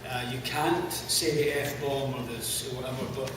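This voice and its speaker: A man's voice: mid-range voice, fairly even intonation, normal speed. A man, an actor on a cast panel, chatting casually with frequent laughs and fillers. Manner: laughing, hesitant with many fillers. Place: large film set interior. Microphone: far from the camera mic. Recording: echoey hall from far off with noise.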